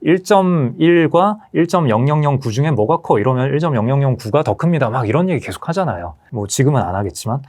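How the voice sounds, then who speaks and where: Lively, explanatory businessman guest. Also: medium pitch, brisk, few pauses. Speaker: asset management CEO guest. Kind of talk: interview, market commentary.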